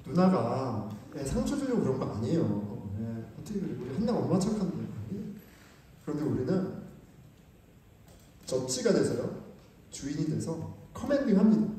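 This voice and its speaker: A man with a high, mellow voice preaches a lively, conversational sermon full of rhetorical questions. The sound is picked up from a distance and rings with the heavy echo of a large church hall. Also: moderate pace, long pauses, a little hiss or hum. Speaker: pastor. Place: church sanctuary.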